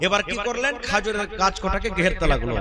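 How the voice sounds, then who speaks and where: A man with a high, bright preaching voice tells a religious story in with a lilt. He shifts into dramatic quoted voices and lilting, chant-like phrases. A big crowd hums clearly behind him. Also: animated, fast talker. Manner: dramatic, sing-song, acts out quoted speech. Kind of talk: sermon storytelling.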